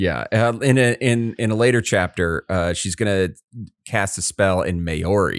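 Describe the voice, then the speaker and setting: A man with an unremarkable speaking voice talks at a fairly slow pace, fairly low in pitch, with ordinary pitch variation. The recording is very clean with a silent background and a dry, close sound with no echo. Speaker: podcast host. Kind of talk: casual podcast conversation.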